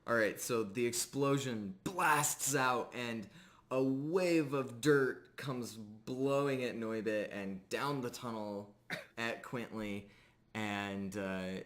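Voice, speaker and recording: A man working as game master, narrating a tabletop roleplaying game in a halting, measured way. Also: lowish voice, a bit bright.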